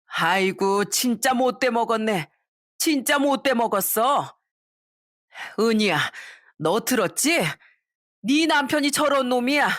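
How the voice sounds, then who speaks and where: A woman's voice: a little high, animated, slow pace, pauses often, fairly bright tone, no room sound, studio quality. A woman voicing a drunk, grasping older mother-in-law who wails and drags out her words in a storybook reading. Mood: wailing. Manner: slurred, wailing, dragging words.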